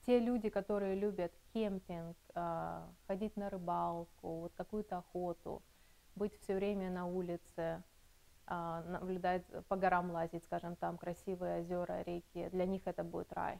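A woman's fairly low, dark and mellow voice at a fairly slow pace, monotone and flat, broken by long, frequent pauses. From Russian Far East, Khabarovsk. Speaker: psychologist. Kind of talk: casual interview. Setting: at home. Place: home room. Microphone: lapel.

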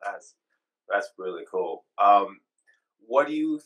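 A male speaker over a quiet background. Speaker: podcast host and musician. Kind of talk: casual interview. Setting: video call. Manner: halting, repeats words. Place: home room. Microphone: video call.

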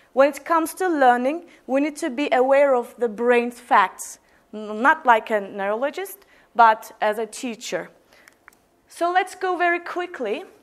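A woman talks with lively intonation. Her pitch is high. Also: fairly slow pace, quiet background. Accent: Turkish. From Turkey. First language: Turkish. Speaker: English teacher. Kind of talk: conference presentation. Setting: stage with audience. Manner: energetic. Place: classroom.

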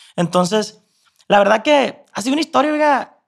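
The background is quiet as a man talks in a Sinaloan accent. His pace is fairly quick and his intonation lively. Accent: Sinaloan Mexican Spanish. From Sinaloa, Mexico (rural). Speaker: regional Mexican singer. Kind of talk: casual interview storytelling. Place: studio. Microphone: studio mic.

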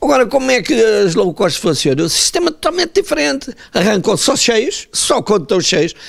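A man speaks at a moderate pace in a high pitch, with very wide pitch swings. The background is quiet. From Portugal, Alverca do Ribatejo; Portugal. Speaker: retired airline pilot and author. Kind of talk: interview. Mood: animated storytelling. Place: home room. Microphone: handheld.

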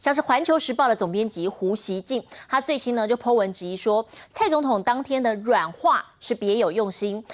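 A woman with an ordinary speaking voice, fairly high in pitch, with lively intonation. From Taiwan. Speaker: news anchor. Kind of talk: news reading. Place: studio.

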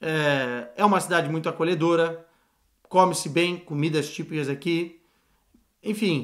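A man with a high pitch talks at a fairly slow pace. His pitch varies in an ordinary way, and the background is quiet. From Brazil, São Paulo. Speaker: football commentator. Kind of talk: casual chat. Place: home room. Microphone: webcam.

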